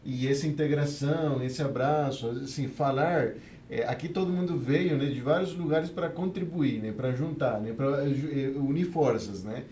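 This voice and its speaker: Man, mellow voice, roomy sound. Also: medium pitch, normal speed, a little hiss or hum. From Venezuela. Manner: earnest, tags nearly every phrase with a questioning "né". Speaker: guest, immigrant community worker. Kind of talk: podcast interview, telling his experience.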